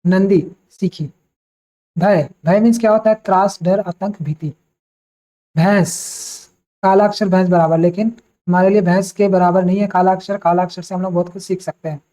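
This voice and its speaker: A woman's voice: on the low side, fairly even intonation, mellow. A woman teaching an exam-prep vocabulary lesson, reading out long word lists one by one with short asides to her students. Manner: lists words one by one, slowly and deliberately. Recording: dull lo-fi recording.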